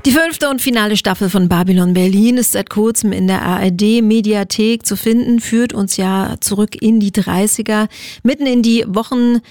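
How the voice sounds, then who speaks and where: A woman's voice: medium pitch, moderate pace, a little mellow, no room sound, faint music behind. A woman hosting a radio show, chatting casually to her listeners. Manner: chatty, addresses listeners directly. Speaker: radio host.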